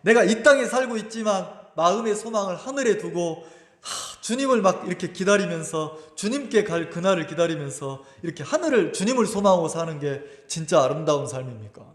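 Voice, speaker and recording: A middle-aged male pastor preaches in a church, his fairly high voice swinging widely as he retells a family story with feeling. The sound carries a long, roomy reverb from the hall around him. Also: lively intonation, fairly quick. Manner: emotional storytelling, quoting his mother and himself. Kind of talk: sermon. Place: church sanctuary.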